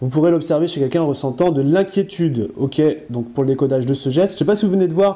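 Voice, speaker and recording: At a fairly quick pace, a man with a fairly high pitch speaks in a dark, mellow tone. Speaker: body language coach. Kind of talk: tutorial. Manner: fast; hesitant, many fillers.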